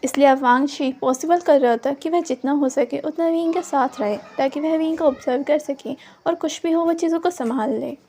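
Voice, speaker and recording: A woman's voice: sits high, moderate pace, hardly any pauses, dark tone. A woman narrating her own fan fiction as a casual story reading. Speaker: fanfiction storyteller.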